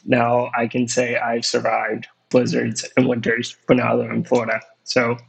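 A man's voice: mid-range voice, monotone, normal speed, gravelly, slightly rough, low-quality recording. A man from Puerto Rico, a podcast guest, telling his story in an easygoing, upbeat way. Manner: easygoing, upbeat about hardship. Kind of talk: casual self-introduction.

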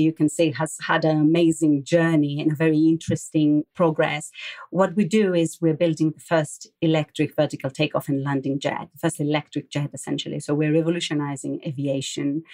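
Brief: Greek-accented woman guest with a low voice, careful and explanatory. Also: a little mellow. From Greece. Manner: measured, explanatory, slightly hesitant. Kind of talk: interview answers.

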